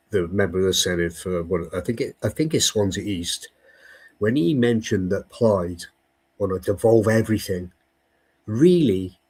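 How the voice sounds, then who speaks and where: A man's voice: low-pitched, husky. A Welsh man speaking as a guest in a political discussion, emphatic and often stumbling over repeated words. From Wales. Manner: emphatic, with frequent stumbling repetitions. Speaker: guest commentator.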